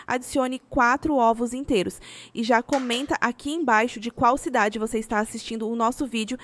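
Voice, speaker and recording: Brazilian lady doing a recipe voiceover, kinda high voice, scripted how-to narration. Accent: Brazilian Portuguese. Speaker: recipe video host.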